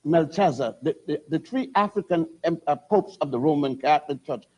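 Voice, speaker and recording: An older man from Puerto Rico lectures like a professor, spelling names out and restarting his sentences. His voice sits a little high yet sounds mellow. The old TV audio is muffled and lo-fi. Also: lively intonation, a little fast. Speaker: guest historian. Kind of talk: lecturing TV interview. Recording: dull lo-fi TV audio.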